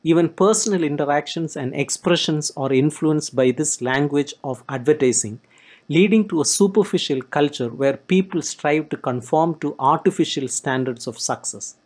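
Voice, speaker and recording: A mid-pitched narrator reads a lecture-style summary of a theory text aloud. The delivery is steady and plain, broken now and then by restarts and repeated words. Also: normal speed.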